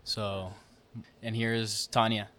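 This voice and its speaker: A man in his thirties from Mexico, a real estate entrepreneur talking as a guest in a relaxed, plainspoken way and repeating words as he starts. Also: fairly low pitch, slow pace, slight background noise. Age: 30s. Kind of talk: casual interview.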